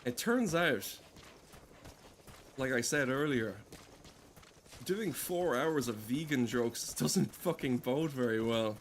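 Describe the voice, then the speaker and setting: A man's voice: mid-range voice, lively intonation, slow, long pauses, slight background noise. A man casually streaming a game, rambling and swearing with dry, joking commentary.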